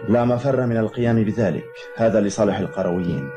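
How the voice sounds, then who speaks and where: A man's voice: on the low side, fast talker, over music, natural voice. A man playing a dutiful, unyielding young soldier in a cartoon dub. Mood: firm.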